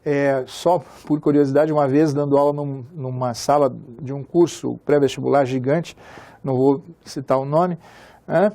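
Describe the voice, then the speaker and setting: Chatty Brazilian male teacher, mellow voice. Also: mid-range voice, steady tone. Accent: Brazilian Portuguese. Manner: chatty, asks class for agreement; slows to recite poem lines. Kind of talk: literature lesson.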